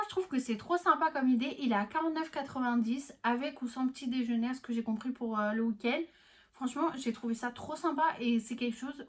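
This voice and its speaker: A young woman vlogging casually, chatty and enthusiastic, with many fillers and restarts. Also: fairly high pitch. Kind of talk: casual gift-guide vlog.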